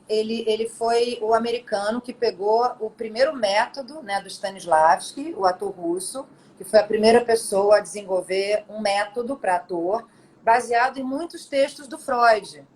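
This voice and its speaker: A middle-aged actress chatting as an interview guest, telling her stories in an animated, expressive way. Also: a little high, slight background noise, rough recording. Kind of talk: casual storytelling interview.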